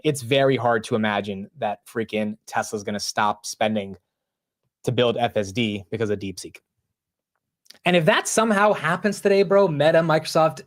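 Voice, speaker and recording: A man's voice: mid-range voice, no room sound, studio quality. A man from the United States hosting a market livestream, chatting casually in a loose, slangy way and talking to his viewers. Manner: loose, slangy, talks to chat. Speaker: livestream host.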